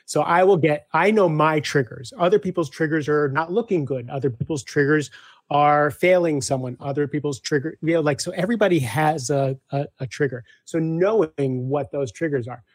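Man, guest coach, animated talk, acts out dialogues, somewhat high pitch, dry recording. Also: normal speed, no room sound. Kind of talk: casual interview talk.

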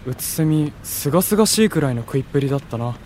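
A man's voice: on the high side, lively intonation, quick pace, darkish tone, slight background noise, close to an everyday voice. Man acting a cool, blunt young idol. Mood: wry. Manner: casual, curt, teasing retorts. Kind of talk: Japanese anime-style audio drama acting.

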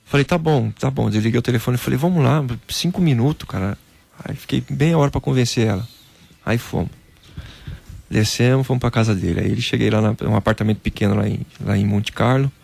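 A man from Brazil, a former footballer, telling a personal faith story in a casual interview, animated and peppered with "cara". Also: mid-range voice, fairly quick, gravelly.

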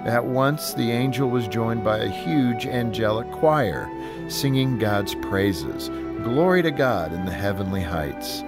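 A man hosts a devotional broadcast with music playing behind him. His delivery swings expressively in pitch as he talks and reads scripture. He comes across as earnest and encouraging, at an ordinary male pitch. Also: expressive, unhurried. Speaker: radio show host. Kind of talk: devotional talk and scripture reading.

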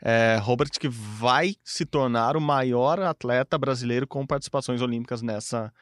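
A man's voice: medium pitch, normal speed, fairly bright tone, no echo, studio quality. A man with a Brazilian Portuguese accent hosting a casual sports chat, leading the talk conversationally.

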